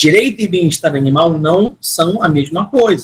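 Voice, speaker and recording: Using very wide pitch swings, a man talks at a moderate pace. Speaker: law lecturer. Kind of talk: lecture.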